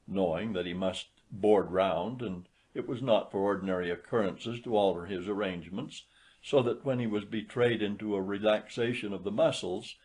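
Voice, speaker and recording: A man's voice: fairly low pitch, darkish tone. A man reading literary fiction aloud as scripted audiobook narration. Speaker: audiobook reader.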